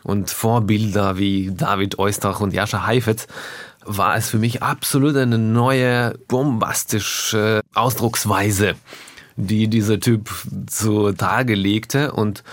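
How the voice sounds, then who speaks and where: A man from Russia, a native Russian speaker, talking as a musician guest in a radio interview, thoughtful and often pausing to find his words. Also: lowish voice, steady tone, no room sound. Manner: thoughtful, searching for words with pauses.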